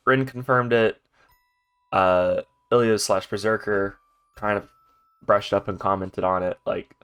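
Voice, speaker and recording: Stuffy-nosed man with a low voice. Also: fairly bright tone. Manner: rambling, chatty, many ums and restarts. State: congested, stuffy nose. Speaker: let's play host. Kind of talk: casual gaming commentary. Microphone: home recording mic.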